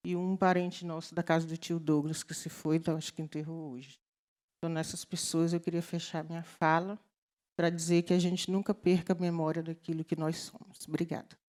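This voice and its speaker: A woman's voice: low-pitched, flat delivery, fairly quick, darkish tone. A woman giving heartfelt closing remarks on a discussion panel. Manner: heartfelt, moved.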